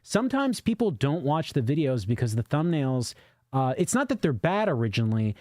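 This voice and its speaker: A man co-hosting a casual gaming livestream, brisk and joking as he reads out viewer messages and chats. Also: medium pitch, big pitch swings, darkish tone, dry recording, clean studio sound. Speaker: co-host of a gaming channel.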